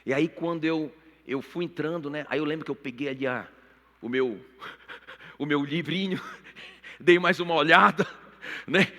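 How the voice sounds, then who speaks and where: A man preaches in a bright, ringing voice, his words trailing off into the long echo of a church auditorium. He is middle-aged and tells his own story with deep feeling, often calling out to the people in front of him. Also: measured pace, long pauses. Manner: emotional storytelling, repeatedly addressing the congregation. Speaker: pastor. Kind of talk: sermon with personal testimony. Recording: long reverb of a church hall.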